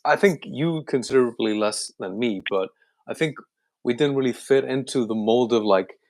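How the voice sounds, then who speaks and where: A man's voice: medium pitch, normal speed, a little mellow, no room sound. Icelandic guy hosting a chill language chat, lots of yeahs, dry close mic. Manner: easygoing, affirming, repeats yeah. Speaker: host, language teacher. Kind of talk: casual chat.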